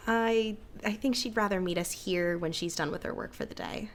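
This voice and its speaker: A woman voices Sybil, a cautious, resigned female cryptid in a small town, for a naturalistic audio drama. She speaks at normal speed in a natural, medium-pitched voice, hesitant and downbeat.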